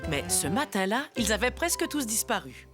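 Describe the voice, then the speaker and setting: A kindly storyteller played by a woman narrates a children's storybook tale. Her medium-pitched voice swings in an animated way, with music clearly underneath. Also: normal speed, lightly acted. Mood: storytelling.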